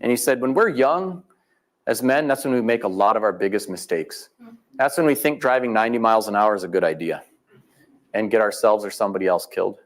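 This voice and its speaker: A man's voice: on the low side, fairly quick. A middle-aged man giving a storytelling talk, acting out the voices in his stories. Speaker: speaker at a tribute event.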